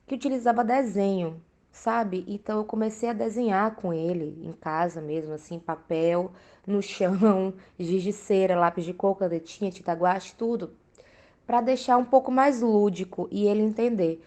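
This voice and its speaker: Casting: young Brazilian woman, soft-toned timbre, conversational and explanatory, everyday testimony. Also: mid-range voice, normal speed. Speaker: interviewed mother. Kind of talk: casual spoken testimony.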